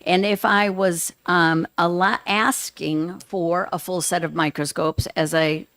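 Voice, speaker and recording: A retired educator, a woman, giving measured, earnest public testimony at a hearing. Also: lowish voice, steady tone, a bit bright, dry recording. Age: older.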